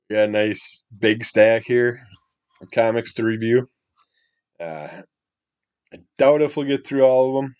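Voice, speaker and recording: A middle-aged man, hoarse and congested from a cold, rambling casually as he opens a comic book review and often trails off into mumbles. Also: mid-range voice, slow, long pauses, a little mellow, dull audio. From Wisconsin. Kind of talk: casual solo review chat.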